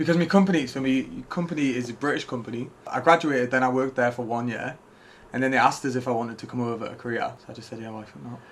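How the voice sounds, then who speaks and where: Speaking very fast with a northern English accent, a man keeps a medium pitch with ordinary pitch variation and big swings in loudness. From northern England. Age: 20s. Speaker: expat office worker. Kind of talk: casual chat.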